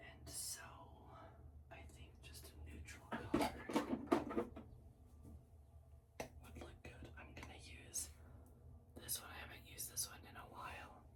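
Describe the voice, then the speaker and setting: A woman's whisper at a very slow pace, long and frequent pauses, big swings in loudness, and noticeable background noise. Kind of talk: ASMR get ready with me. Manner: whispered.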